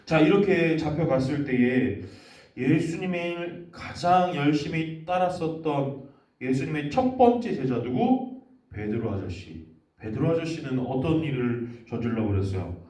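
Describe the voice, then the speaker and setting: A man's voice: medium pitch, animated, a little slow, darkish tone, roomy sound, recorded from a distance. A man giving a children's sermon, telling a story and quizzing the kids with questions. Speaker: children's ministry preacher.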